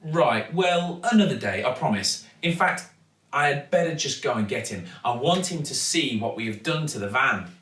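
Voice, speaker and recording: A man voicing an excitable, wary young girl in a children's storybook reading. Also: medium pitch, moderate pace, roomy sound, distant mic, pitched above the performer's own voice, close to an everyday voice. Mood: awkward.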